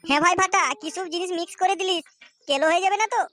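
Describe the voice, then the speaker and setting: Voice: very high-pitched, very fast, bright, forceful tone, soft background music. A performer voicing a young boy, an eager but uneasy prankster's sidekick in a Bengali comedy cartoon.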